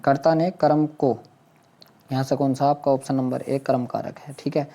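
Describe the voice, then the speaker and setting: Mellow-voiced exam teacher working through quiz questions. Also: medium pitch, fairly even intonation, moderate pace. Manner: repetitive, question-and-answer explaining to viewers. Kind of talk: walking through quiz questions and answers for students.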